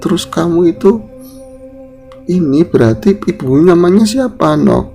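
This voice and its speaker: A man's voice: high-pitched, animated, measured pace, warm tone, soft background music, pitched above the performer's own voice. A man voicing a grieving older woman, pleading and sobbing. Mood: earnest.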